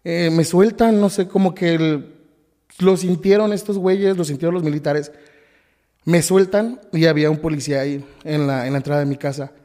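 Man, Mexican Spanish accent, mellow tone, halting emotional storytelling, reverberant sound. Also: on the high side, steady tone. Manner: emotional, halting, with many restarts and repetitions. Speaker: podcast guest. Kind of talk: personal storytelling.

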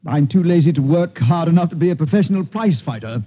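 A cool, precise young English gentleman, as the narrator voices him, speaking in a crisp English accent, pitched a touch above his own. The sound is muffled, as on an old radio broadcast. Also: animated, fast talker.

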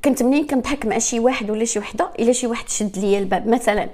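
A woman's voice: fairly high pitch, very fast, darkish tone. A woman with a Moroccan accent speaking earnestly to her viewers about her own experience, dropping French and English words into her speech. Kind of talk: personal talk to viewers.

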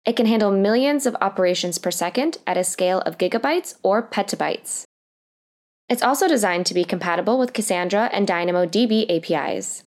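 A woman reading the show's scripted introduction in an even, read-aloud delivery. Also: medium pitch. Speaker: show announcer.

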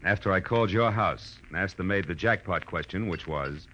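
An actor playing a weary, wry, hard-boiled private detective with an American accent in 1940s radio drama. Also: male voice, low voice, moderate pace, fairly bright tone, slight background noise. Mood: probing, wry. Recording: dull vintage radio recording with music.

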